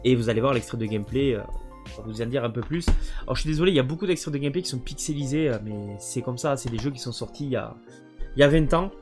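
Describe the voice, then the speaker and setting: A man's voice: mid-range voice, fast talker, darkish tone, faint music behind. A man casually presenting his video game collection, hesitant and full of fillers. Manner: hesitant, many fillers and restarts.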